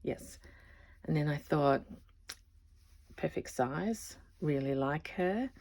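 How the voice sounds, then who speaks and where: A woman craft vlogger in casual show-and-tell chat, rambling and often trailing off softly. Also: sits low, animated, slow.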